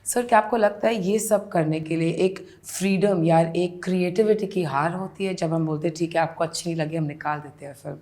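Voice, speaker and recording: A woman's voice: fairly low pitch, fairly even intonation, a little fast, hardly any pauses, mellow. A woman, interviewing in a polite, deferential conversational way.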